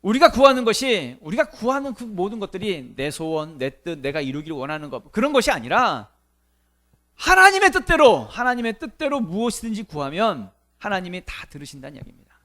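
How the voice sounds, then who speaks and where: Impassioned high-voiced Korean pastor preaching. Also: male voice, sing-song, fairly quick. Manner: rising to loud impassioned appeals, quoting scripture. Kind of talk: sermon.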